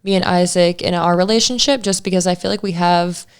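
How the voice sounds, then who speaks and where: A woman in her twenties from Michigan, with an American Midwestern accent, co-hosts a casual relationship podcast, chatting playfully and often cutting in. Her voice is on the low side, steady, brisk and clean.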